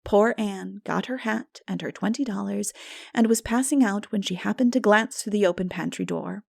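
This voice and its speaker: A woman's voice: medium pitch, normal speed, vocal fry, dry recording, clean studio sound. A woman reading a classic novel aloud as a scripted dramatic audiobook narration.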